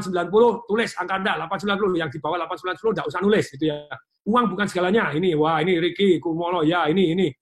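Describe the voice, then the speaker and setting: A man leads an online motivational seminar with a high voice. He is energetic and playful and keeps turning to his audience with direct prompts and calls to repeat after him. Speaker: motivational speaker. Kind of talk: motivational webinar talk. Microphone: webinar mic.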